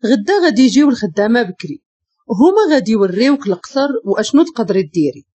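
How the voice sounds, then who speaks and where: A woman's voice: on the high side, big pitch swings, fast, warm tone, breathy edge. A woman with a Moroccan Arabic accent voicing a harsh, domineering rich man who scolds and gives orders. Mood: cold. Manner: cold, scolding and commanding. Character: harsh, domineering wealthy man, master of a palace.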